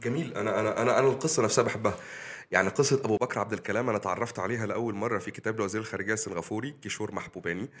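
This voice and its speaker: A man's voice: on the low side, racing, a bit bright. A man with an Egyptian accent, arguing a point in a casual podcast discussion and explaining it with figures. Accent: Egyptian Arabic. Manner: argumentative, explaining with statistics. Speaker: discussion participant.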